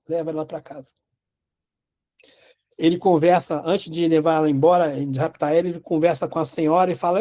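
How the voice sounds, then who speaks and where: Male teacher, casual storyteller, restarts a lot, mellow dark voice. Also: high voice. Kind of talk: storytelling in a class.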